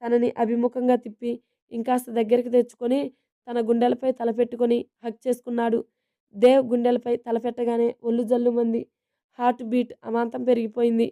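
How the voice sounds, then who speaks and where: A woman narrating a romantic family story in a steady, even reading manner. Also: fairly high pitch, fairly quick.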